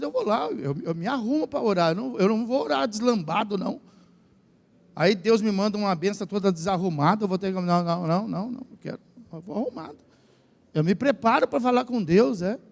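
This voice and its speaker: A Brazilian man with a very high, gravelly voice preaches in a lively, animated way, with a Brazilian Portuguese accent. His sermon swings between joking asides and shouted peaks. The sound carries a long reverb from the big church hall. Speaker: pastor.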